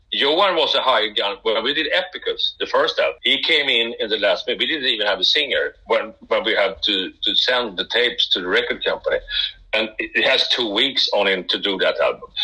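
A man with a Swedish accent at a fairly quick pace, over noticeable background noise. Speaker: heavy metal guitarist. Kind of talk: interview. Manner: halting, with many repeated words.

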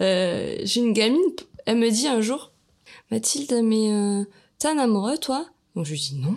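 A woman talks at a fairly slow pace in a fairly high pitch, her voice making very wide pitch swings. The recording is very clean, with a silent background. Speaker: short film director and painter. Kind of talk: casual chat. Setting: host's home.

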